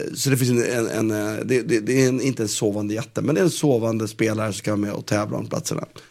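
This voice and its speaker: This man talks at a very fast pace in a medium pitch with ordinary pitch variation. Vocal fry runs through his voice. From Sweden. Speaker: football pundit. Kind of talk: casual chat. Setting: studio.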